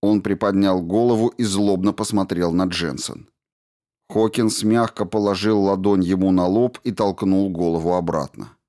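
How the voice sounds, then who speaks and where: A man reading a story aloud in a steady, measured narration. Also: deep voice. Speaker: audiobook narrator. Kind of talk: scripted narration.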